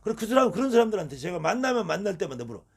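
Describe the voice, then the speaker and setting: A middle-aged man, a shaman, lecturing in a husky voice and firing off rhetorical questions. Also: sits high, very animated, very fast.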